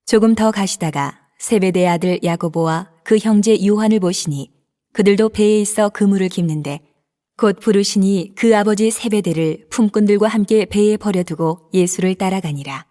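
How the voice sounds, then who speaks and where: A woman narrating a dramatized scripture reading in a measured, even manner. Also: medium pitch. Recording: long reverb.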